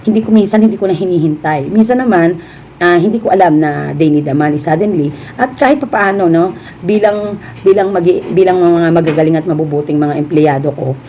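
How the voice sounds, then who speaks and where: Chatty Filipino woman with a low, mellow voice. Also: brisk, a little hiss or hum. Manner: chatty, mixes Tagalog and English, frequent "no?" tag. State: feeling a bit unwell. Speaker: vlogger, small shop owner. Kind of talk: casual chat to camera.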